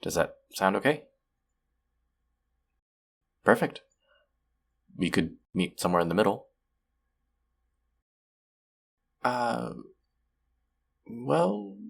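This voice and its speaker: A man's voice: medium pitch, animated, slow pace, creaky, pauses often, full character voice. A man playing an awkward, apologetic and sweet young man who rambles nervously on the phone in an intimate audio roleplay. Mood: relieved, friendly. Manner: rambling, hesitant, self-deprecating, soft chuckles. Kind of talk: intimate one-sided audio roleplay, conversational.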